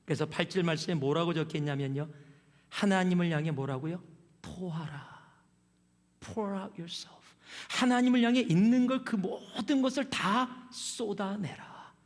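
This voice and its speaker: A man's voice: fairly high pitch, moderate pace, big-room sound. A man preaching a sermon as a pastor, telling stories and asking the congregation questions in a conversational way. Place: church sanctuary.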